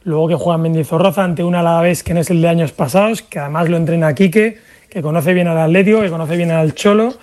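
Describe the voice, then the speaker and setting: A man who works as a sports journalist, giving measured analysis on a radio panel. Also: on the high side, darkish tone.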